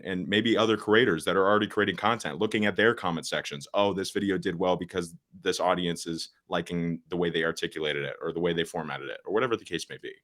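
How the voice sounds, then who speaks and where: A man in his late teens, a social media coach, speaking as a podcast guest in a straightforward way, with many fillers and restarts. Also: fairly bright tone. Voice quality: deep voice. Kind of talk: casual podcast interview.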